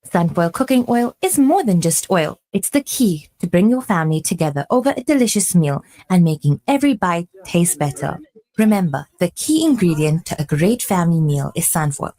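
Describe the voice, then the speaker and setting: A woman voicing a scripted radio advert in a smooth, inviting read. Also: on the low side, sing-song, normal speed, dark tone. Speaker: commercial voice-over.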